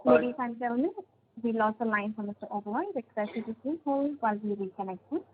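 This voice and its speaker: A woman's voice: a little high, fast, a little hiss or hum. A woman works as a conference call operator, making polite, formal scripted announcements in a call-centre manner. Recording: narrow-band phone conference line.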